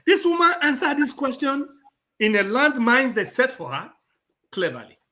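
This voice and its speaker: Speaking at a moderate pace, this man sounds very animated, with an extremely high voice that comes across pushed and bright. He is a Nigerian talk show guest with a Yoruba accent, mixing Yoruba and English emphatically during political debate.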